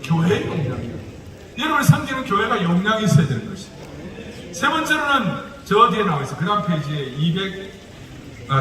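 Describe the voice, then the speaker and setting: A male pastor with a Gyeongsang dialect gives a lecture-style sermon, joking and putting rhetorical questions to the audience. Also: high voice. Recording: echoey hall, distant mic, noisy.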